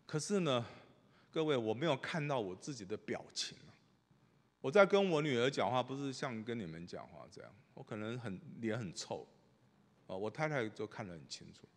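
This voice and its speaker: A middle-aged man, a pastor, preaching a sermon with animated storytelling, swinging from loud bursts to hushed asides. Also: medium pitch. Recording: long reverb of a large hall.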